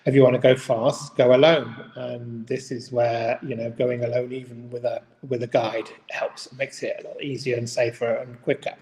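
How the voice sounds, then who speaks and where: A man's voice: mid-range voice, level tone, normal speed, hardly any pauses, a little mellow. Rambling man in a big echoey hall. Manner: rambling, thinking aloud, with frequent restarts. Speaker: small-business coach and host of a daily live video. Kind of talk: unscripted live talk to viewers. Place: large echoey room.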